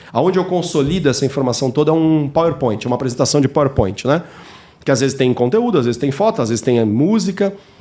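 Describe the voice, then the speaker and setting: A man's fairly high voice at a very fast pace, with lively intonation and very even loudness. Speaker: podcast co-host, music history teacher. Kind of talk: casual chat. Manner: animated.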